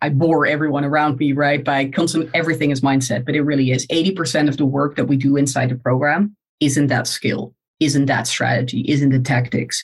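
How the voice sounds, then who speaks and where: Speaking in a Dutch accent, a woman with a very deep, low, somewhat breathy voice keeps a moderate pace and ordinary pitch variation. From Netherlands. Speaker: negotiation coach. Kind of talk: interview. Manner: animated.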